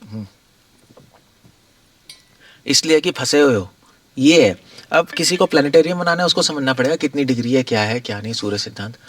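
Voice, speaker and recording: A man's voice: medium pitch, lively intonation, fairly quick, pauses often, distant mic. A monk giving informal spiritual guidance in a conversational way, repeating his points and chuckling now and then.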